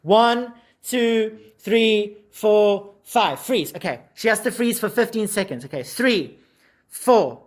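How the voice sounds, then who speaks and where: A woman's voice: medium pitch, slow pace. A woman hosting a casual challenge segment, upbeat and cheerful, counting down for her crew. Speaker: host running the crew challenges.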